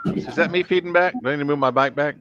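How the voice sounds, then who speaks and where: A middle-aged American man, a former law enforcement officer, hosts a livestream, chatting casually and reading out comments into a close mic on a boom arm. His voice is on the high side and fairly bright, he talks very fast, and the sound is lo-fi.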